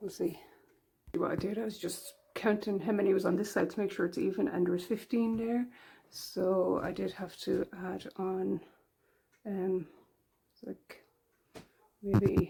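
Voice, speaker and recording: With vocal fry and a dark, mellow tone, a woman speaks at a medium pitch and a fairly slow pace, using fairly even intonation and long, frequent pauses. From Ireland. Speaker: home vlogger. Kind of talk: casual vlog narration. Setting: at home. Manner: casual, chatty.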